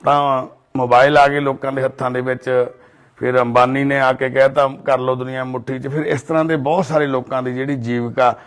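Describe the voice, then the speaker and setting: A man's voice: mid-range voice, flat delivery, brisk. A man with a Punjabi accent, narrating a family's story as a charity volunteer and earnestly consoling an elderly woman, in an outdoor residential colony. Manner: earnest, soothing, speaks of divine duty. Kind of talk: documentary narration and consoling talk.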